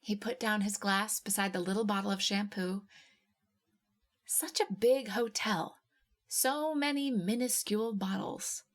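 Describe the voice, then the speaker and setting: Female narrator for first-person literary fiction; slow, deliberate, expressive read. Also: medium pitch. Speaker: short story reader.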